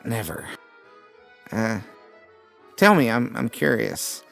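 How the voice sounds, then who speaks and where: A man's voice: medium pitch, very animated, takes it slowly, creaky, fairly bright tone, soft background music, full character voice. An actor playing a hapless, good-humoured man on a café date in an audio comedy, with a wry, self-deprecating, joking manner. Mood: teasing. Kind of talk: audio drama comedy acting, conversational.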